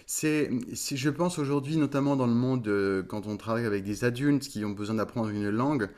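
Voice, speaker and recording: A man, a voice coach, explaining in an interview and often pausing to search for words. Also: mid-range voice, darkish tone. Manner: thoughtful, searching for words with many fillers. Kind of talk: interview conversation.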